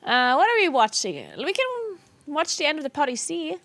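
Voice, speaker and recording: In casual livestream chat, a South Tyrolean game streamer and esports caster speaks English as a second language with her regional accent, laughing often in a giggly way. Her high voice is sing-song and fairly bright at a moderate pace. The sound is dry, with very little echo.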